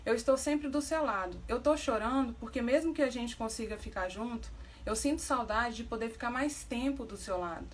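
A woman's voice: on the high side, moderate pace, slight background noise, lightly acted. A woman voicing a tearful wife pleading with her distant husband, read aloud plainly in a Brazilian accent.

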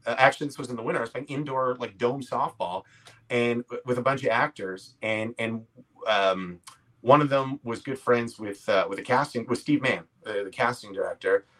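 This podcast guest, a comedy actor and writer in his forties from Quebec, spins casual, self-deprecating stories in a Canadian accent. His voice sits mid-range with a fairly bright tone and moderate pace, captured in poor audio.

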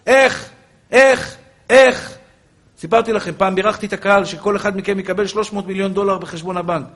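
High-voiced impassioned rabbi preaching. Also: male voice, fairly even intonation, fairly bright tone. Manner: impassioned, preaching directly to listeners. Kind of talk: religious lesson sermon.

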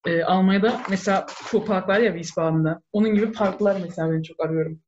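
A woman's voice: medium pitch, quick pace, darkish tone. Casual conversational woman, mixes in phrases, slightly lo-fi sound. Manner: mixes in German words and phrases. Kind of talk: casual chat.

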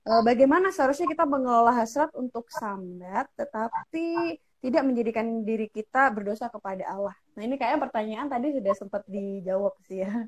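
A woman hosting a casual Christian talk, asking her guest questions and prompting with soft hums. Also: a little high, expressive, fairly quick. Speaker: host.

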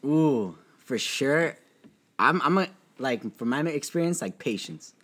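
A young man co-hosting a Christian podcast, excitable and joking in casual chat. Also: mid-range voice. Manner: excitable, joking, quick to laugh. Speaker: podcast co-host.

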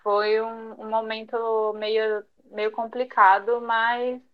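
A woman's voice: a little high, flat delivery, slow, highs cut off. A young woman, a podcast guest talking casually with lots of fillers and light laughs. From São Paulo, Brazil. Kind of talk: conversational interview.

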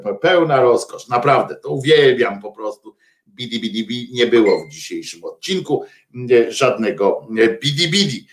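A man's voice: medium pitch, creaky. A male host giving casual commentary, hesitant and full of fillers.

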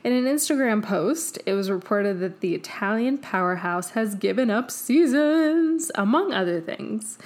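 Woman, podcast host, non-native English speaker, mid-pitched voice, effusive, emphatic, casual, opinionated, tangential. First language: not English.

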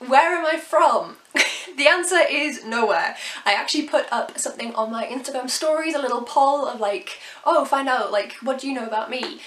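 A woman in her twenties with a slightly softened received pronunciation accent, chatting casually to camera as a vlogger, laughing often and throwing in quick asides. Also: high-pitched, expressive, reverberant. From England. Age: 20s.

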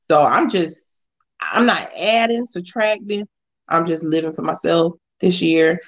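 A woman guest on a podcast, speaking in a relaxed, plain-spoken casual chat. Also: on the low side, a little slow. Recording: dull, muffled audio.

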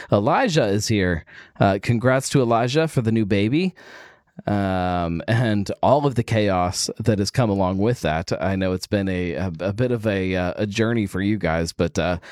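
A man's voice: on the low side, darkish tone, dry recording, studio quality. Easygoing man hosting a casual stream. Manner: easygoing, rambling with many fillers. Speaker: livestream host. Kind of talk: casual chat.

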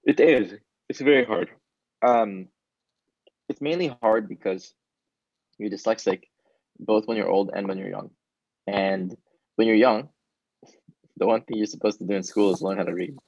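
Low-voiced man, Hebrew native, plain talk. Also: normal speed, long pauses, a little mellow, no room sound, dull audio. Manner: casual, earnest, with frequent ums. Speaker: startup founder. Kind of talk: interview answers.

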